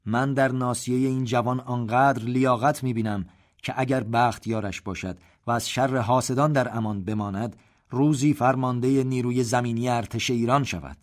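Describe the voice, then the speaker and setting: A man voicing a proud, white-haired army general who gives orders in a raised, loud voice. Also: mid-range voice, fairly even intonation, voice pushed up, close to an everyday voice. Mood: commanding.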